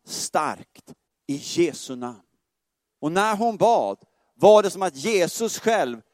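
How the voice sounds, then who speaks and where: Man, preacher, sermon, high voice, animated, questions to listeners, dry sound. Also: no echo. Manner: animated, swings between loud exclamations and soft slow phrases; asks the congregation questions and jokes.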